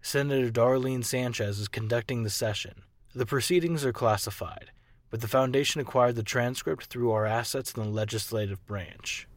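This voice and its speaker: A man's voice: medium pitch, moderate pace, close to an everyday voice. A man giving formal scripted narration in a documentary tone.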